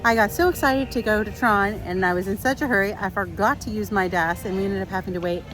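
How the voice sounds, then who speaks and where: A woman's voice: medium pitch, fast, low-quality recording. Chatty woman vlogging with faint music. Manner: chatty, rambling with fillers. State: stuffy from allergies. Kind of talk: casual vlog chat. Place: theme park, outdoors and at home.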